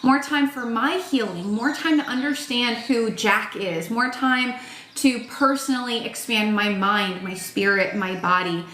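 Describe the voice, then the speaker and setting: A woman's voice: on the high side, unhurried, sharp tone, reverberant, slight background noise. A woman in her thirties giving a casual tarot reading, talking frankly with lots of filler words, her voice tired and starting to crack. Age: 30s. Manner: frank, chatty, swears, lots of "like" and "um". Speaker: tarot reader.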